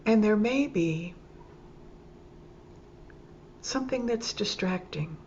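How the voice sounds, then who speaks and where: A woman teaching yoga nidra, leading a guided meditation calmly and gently, in short phrases with pauses between them. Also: medium pitch. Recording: dull lo-fi sound with clear background noise.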